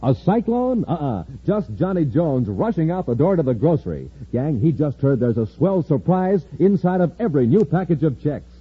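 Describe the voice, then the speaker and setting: A man's voice: fairly high pitch, very animated, normal speed, few pauses, slightly rough, narrow, tinny audio. A male announcer in a 1950s radio serial, narrating and selling cereal with showy emphasis. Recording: hissy old radio transcription.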